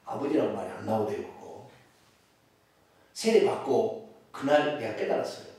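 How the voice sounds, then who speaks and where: A male pastor preaching an animated sermon, calling out loudly and leading the congregation to repeat after him. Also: fairly low pitch, moderate pace. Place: church sanctuary. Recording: echoey church hall from far off.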